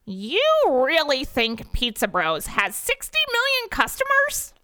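A man's voice: extremely high pitch, huge pitch swings, a little slow, bright, forceful tone, clear, resonant tone, no echo, clean studio sound, pitched above the performer's own voice, full character voice. A man voicing a sarcastic young male pizza worker. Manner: sarcastic, then whispering.

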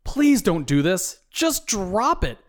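A man's voice: sits high, sing-song, takes it slowly, pitched above the performer's own voice, full character voice. A man voicing a cautious, reasonable grown man who pleads earnestly with his friend. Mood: pleading.

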